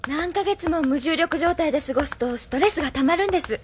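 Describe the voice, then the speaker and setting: Brief: a sincere, respectful young staffer, bright high voice. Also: female voice, animated, fairly quick, noisy background. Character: polite young female staffer, devoted and caring. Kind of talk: radio drama acting.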